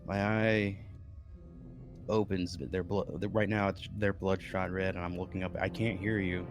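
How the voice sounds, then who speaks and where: Male tabletop player with a very deep voice, subdued, music clear behind him. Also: flat delivery, normal speed. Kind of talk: narrating his character's actions.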